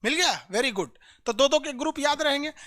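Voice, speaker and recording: A man teaching an online map lesson, drilling students energetically with loud, rapid repetition. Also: very high voice, expressive, no echo, clean studio sound.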